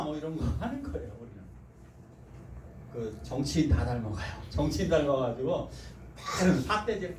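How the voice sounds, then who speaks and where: A man's voice: fairly high pitch, darkish tone. A man preaching a sermon as pastor, acting out quoted speech and laughing often. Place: church sanctuary. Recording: echoey church hall from far off, faint noise.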